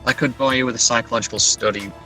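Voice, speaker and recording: A man's voice: mid-range voice, fairly even intonation, racing, pushed and bright, soft background music, rough recording. A man talking casually as a guest author in an interview, chatty and self-deprecating.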